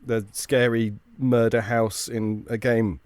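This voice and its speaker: Smooth, unhurried man in casual chat. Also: mid-range voice, flat delivery, darkish tone, no room sound. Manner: hesitant, polite, self-deprecating.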